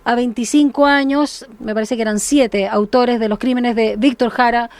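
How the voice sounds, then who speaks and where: A woman interviews a guest on the radio, her fairly high voice sounding close and dry in the studio. She circles her questions, restarting mid-phrase and tagging lines with "¿no?". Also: fairly even intonation, normal speed, a little mellow, dry recording. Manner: meandering, many restarts and tag questions.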